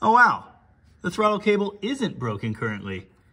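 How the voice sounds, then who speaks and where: The pace runs fairly quick. Pitch moves in very wide swings. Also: man. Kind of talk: casual walkaround commentary. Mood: dry joking. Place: garage. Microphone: phone near.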